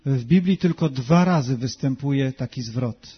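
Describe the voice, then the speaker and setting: A man interpreting a sermon live, talking quickly and evenly and slowing down for scripture readings. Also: mid-range voice, slightly rough. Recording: dull lo-fi sound.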